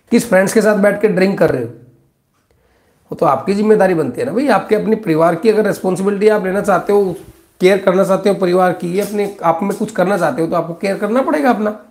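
A man's voice: sits high, a little mellow. A man in his thirties, a doctor answering viewer questions on a live stream, giving blunt, scolding advice. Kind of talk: live Q&A consultation. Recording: echoey small room.

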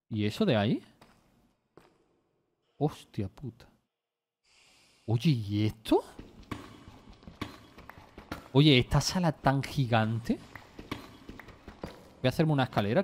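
Laid-back Spanish gamer, swearing freely. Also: male voice, mid-range voice, a little mellow, a little hiss or hum. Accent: Spain Spanish. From Spain. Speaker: gaming streamer. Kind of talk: casual gameplay chat with viewers.

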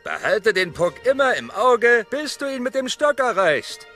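A grumpy, protective father mammoth with dry sarcasm and a widely swinging, raised pitch. Animated-film dub with faint music. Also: moderate pace, exaggerated voice. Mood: earnest. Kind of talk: dubbed animated film dialogue.

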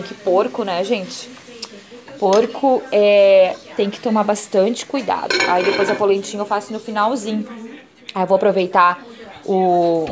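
Home vlogger, woman in her thirties, mid-pitched, chatty, phone mic in her kitchen with loud household noise behind her. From southern Brazil. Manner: chatty, affectionate diminutives, frequent tag questions. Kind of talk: casual vlog narration while cooking and cleaning. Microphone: handheld phone camera.

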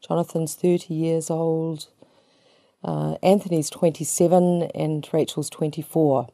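A woman in her fifties speaks with a New Zealand accent in a deep, warm voice with vocal fry, keeping a flat delivery and measured pace, with no room sound. As a psychotherapist guest in a small studio, she offers a relaxed introduction laced with self-deprecating chat.

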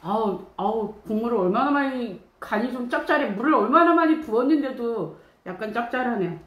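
Woman, slightly high voice, speaking behind hand, chatty while chewing, echoey room. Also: expressive, a little fast, highs cut off. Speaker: mukbang streamer. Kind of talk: casual eating livestream chat.

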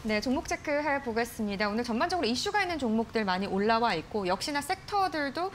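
Lively female TV finance host. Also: fairly high pitch, fast, soft background music. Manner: polished announcer delivery. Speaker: TV program host. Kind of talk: news-style presenting and questioning. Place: TV studio. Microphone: lapel mic.

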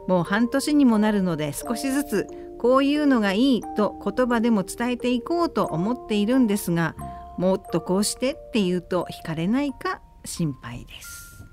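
Lively Kansai woman on talk radio. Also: mid-range voice, moderate pace, over music. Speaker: radio show co-host reading listener letters. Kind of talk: reading letters aloud and chatting on a radio talk show.

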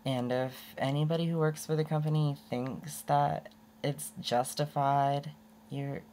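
A young woman rambling candidly in a casual unedited vlog, her voice prone to going hoarse. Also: sits low, steady tone, unhurried, mellow, slight background noise. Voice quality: voice often goes hoarse. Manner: rambling and candid, with many restarts and laughs. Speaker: vlogger.

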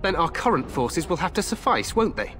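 A man's voice: on the high side, very animated, fairly quick, a bit bright, slight background noise. An actor playing a proud, eager young king in a fantasy game, with a regal, grandiose manner. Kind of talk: fantasy video game acting.

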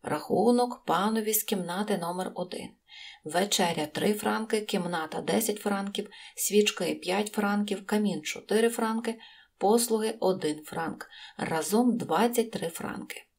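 A woman reading an audiobook, narrating a classic story in a measured, deliberate way. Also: mid-range voice, gravelly, darkish tone. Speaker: audiobook reader. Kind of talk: scripted narration.

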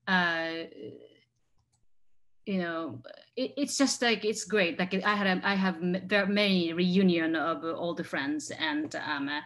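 A woman's voice: on the low side, measured pace, fairly bright tone. Hesitant woman on a video call. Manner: hesitant, many fillers. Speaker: guest set designer. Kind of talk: casual chat on video call. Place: home room.

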